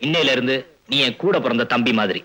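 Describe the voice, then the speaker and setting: A man's voice: mid-range voice, expressive, fast, sharp tone, rough recording. An actor playing a blunt village strongman in an old film, commanding but kind at heart.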